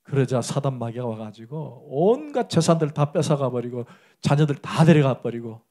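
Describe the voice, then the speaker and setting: A man's voice: medium pitch, animated, normal speed, warm tone. A man preaching a Sunday sermon as pastor, emphatic and asking the congregation direct questions.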